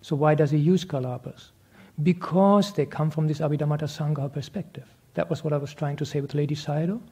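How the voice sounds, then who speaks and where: A man's voice: a little high, fairly even intonation, a little fast, warm tone, slightly rough. A man, a meditation teacher answering audience questions, explaining earnestly and laughing often. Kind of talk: lecture Q&A. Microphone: handheld microphone passed around the room.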